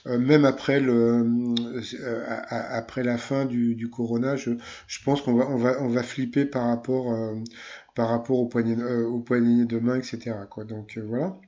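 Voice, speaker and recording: A man's voice: mid-range voice, flat delivery, moderate pace, dark tone, highs cut off. A man giving casual commentary on a TV quiz show, rambling and hesitant with many fillers and a teasing tone.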